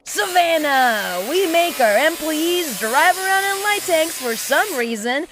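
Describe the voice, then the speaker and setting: An actress playing a scrappy, sweary woman engineer in an audio drama, muttering to herself in an animated, exasperated way. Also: high-pitched, slow, noisy background.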